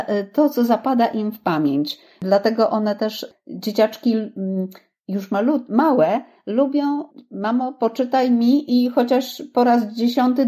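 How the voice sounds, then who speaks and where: A woman who teaches social skills to children talks through her thoughts slowly, with frequent pauses. Her voice has a warm, mellow, darker tone. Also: on the high side. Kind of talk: casual discussion.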